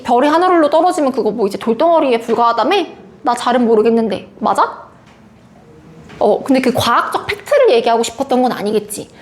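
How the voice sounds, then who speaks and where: Animated high-pitched woman teacher. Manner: animated, acts out quoted lines. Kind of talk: classroom lecture.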